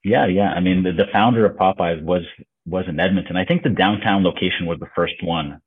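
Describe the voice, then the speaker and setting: Deep husky man on a tinny call line. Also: a little fast. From Slovakia. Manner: relaxed, loose, many fillers. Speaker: podcast guest, business owner. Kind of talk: casual interview chat. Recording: tinny phone-like call audio.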